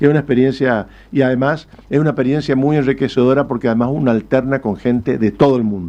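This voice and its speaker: Talking at a very fast pace, a man has a medium pitch, ordinary pitch variation and a dark, mellow tone. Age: 60s. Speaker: mountaineer and trekking guide. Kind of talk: radio interview. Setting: studio, broadcast on radio and TV. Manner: halting, many fillers.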